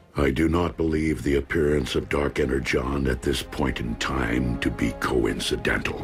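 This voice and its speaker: Clear music plays behind a man doing a cartoonish character voice. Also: moderate pace. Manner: measured, formal, dignified.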